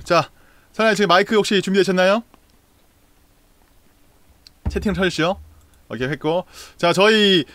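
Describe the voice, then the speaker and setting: Lively young man hosting a stream. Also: high voice, dry recording. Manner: playful, laughs often, teasing. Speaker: talk show host. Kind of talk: casual streamed talk show. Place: small bedroom, indoors.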